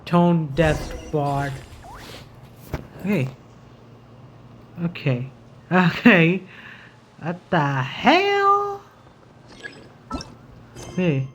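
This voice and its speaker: A woman gaming streamer giving casual gameplay commentary in halting, muttered reactions. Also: on the low side, sing-song, a little hiss or hum. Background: game music.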